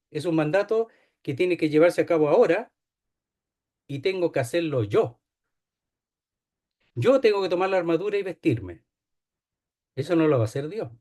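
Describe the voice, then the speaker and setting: A man's voice: fairly high pitch, darkish tone. A man teaching a Bible study, explaining a passage and often checking in with "¿ya?". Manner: explanatory, repeats key phrases, asks "¿ya?".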